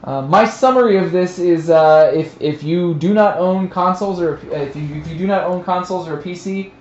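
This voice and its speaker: A man's voice: high voice, fairly quick, a little mellow. Casual, sweary guy in an echoey room. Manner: informal, sweary, enthusiastic. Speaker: tabletop game player on a stream. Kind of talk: casual game-table chat. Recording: dull, echoey room recording with faint noise.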